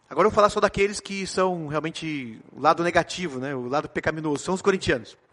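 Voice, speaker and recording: A middle-aged man from Brazil with a Brazilian Portuguese accent, preaching a sermon with joking, animated storytelling. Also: sits high. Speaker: pastor.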